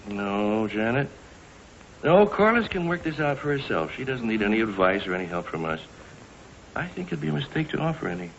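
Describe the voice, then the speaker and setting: Gentle joking father, lively delivery, muffled old radio show. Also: lowish voice, fairly quick, vocal fry, slight background noise. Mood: fond. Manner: gentle, teasing. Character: fond middle-aged father Harry Archer. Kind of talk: 1940s radio acting. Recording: dull old radio broadcast.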